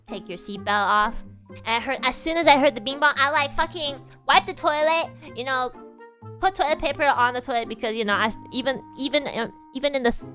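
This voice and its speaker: High-voiced young woman, animated storytelling. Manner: animated, swearing, laughing, acts out her past self loudly. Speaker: streamer. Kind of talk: casual storytelling chat.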